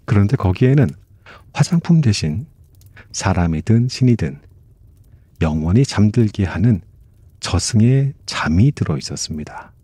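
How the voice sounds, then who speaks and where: Soft-spoken man telling bedtime myths, mellow and low. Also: very animated, a little slow, no echo. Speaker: storyteller.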